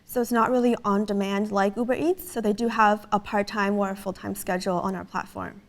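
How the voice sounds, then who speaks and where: A woman's voice: mid-range voice, level tone, fairly quick. A woman in her twenties, raised in Canada, earnestly explaining her business in a casual interview, with frequent fillers. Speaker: startup co-founder, guest.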